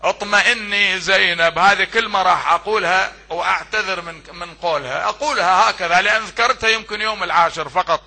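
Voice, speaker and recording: A man, reciting a mourning sermon that moves between chanted lament and quiet prayer. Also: sits high, fast, gravelly, few pauses. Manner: emotional, sing-song lament rising to cries, then soft prayer.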